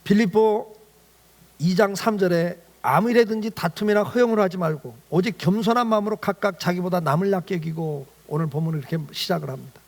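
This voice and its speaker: A man's voice: high-pitched, fast. A male pastor preaching a Sunday sermon in a church, asking the congregation rhetorical questions as he goes. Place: church sanctuary.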